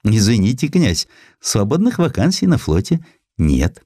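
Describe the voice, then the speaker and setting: A haughty male official in an audio drama, acted out by a male narrator. He is officious and dismissive, with a very lively, swooping delivery. The sound is close and dry. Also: fairly low pitch, measured pace, breathy edge, no room sound, pitched above the performer's own voice, full character voice. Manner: condescending, officious. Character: haughty, dismissive official turning an applicant away.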